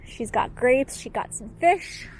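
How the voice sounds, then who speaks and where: A woman's voice: fairly high pitch, animated, a little slow, darkish tone, slight background noise. Chatty Canadian woman vlogging outdoors. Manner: chatty, upbeat, addresses viewers directly. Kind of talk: casual walking vlog. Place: outdoors in a city street.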